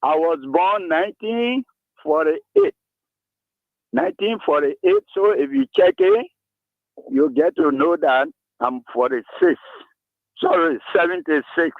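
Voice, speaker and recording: A man in his seventies with a Liberian English accent, calling in to a radio talk show and speaking slowly about himself. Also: high voice, no echo. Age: 70s. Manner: slow, lively rises and falls, gravelly. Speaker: caller. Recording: tinny dry phone line.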